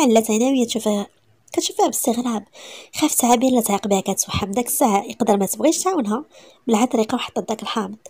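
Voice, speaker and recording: Whispered role-play storyteller, Moroccan woman, husky voice, dry close sound. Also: fairly high pitch, a little mellow, dry recording. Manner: rapid intimate storytelling.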